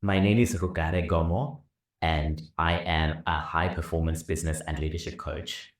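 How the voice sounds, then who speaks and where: With a very deep voice, fairly even in intonation and at normal speed, a man from Zimbabwe recounts his personal story in an earnest, thoughtful way. He works as a business and leadership coach, and the roomy, slightly distant recording carries soft violin music beneath him.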